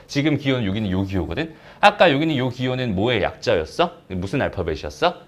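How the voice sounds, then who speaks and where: Lively-pitched male math teacher. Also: quick pace. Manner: chatty, asks students questions and answers them himself. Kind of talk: recorded math lecture.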